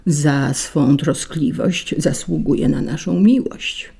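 A woman's voice: sits low, normal speed, creaky, warm tone, husky, exaggerated voice. A woman voicing a dutiful bindweed vine. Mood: devoted. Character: dutiful male bindweed vine, devoted to gardener.

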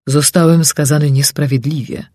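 A man's voice: a little high, steady tone, moderate pace, darkish tone, no room sound, studio quality. A man playing a solemn loyal servant. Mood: pleading. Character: loyal male servant, steadfast and dignified.

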